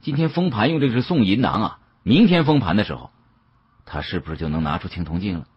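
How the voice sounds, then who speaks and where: A man's voice: lowish voice, sing-song, fast, husky, lo-fi sound, heavily acted. A man voicing a mouthy, needling joker from with chatty, teasing patter in an audiobook. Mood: coaxing.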